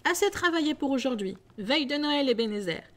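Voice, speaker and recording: Woman doing a booming jovial old merchant. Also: fast talker, natural voice. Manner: loud, booming and cheerful calls.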